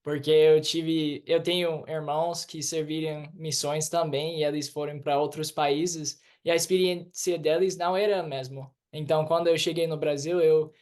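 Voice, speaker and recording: A man speaking learned Portuguese slowly and haltingly as an interview guest. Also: on the high side, little pitch movement, a little mellow, clean tone. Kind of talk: casual interview chat.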